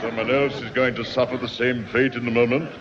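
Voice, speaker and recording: An actor playing a dry, hesitant schoolmaster in a 1960s radio comedy, hemming and humming between sarcastic put-downs. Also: male voice, mid-range voice, flat delivery, brisk, natural voice. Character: dry, hesitant English schoolmaster, easily exasperated. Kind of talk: 1960s radio sitcom acting. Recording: reverberant, muffled, noisy 1960s radio recording.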